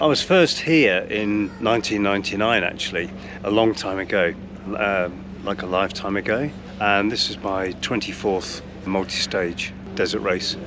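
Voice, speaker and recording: Over noticeable background noise, a man speaks at a moderate pace in a fairly low pitch. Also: ordinary pitch variation. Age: 60s. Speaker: ultra runner. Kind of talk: interview. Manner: halting.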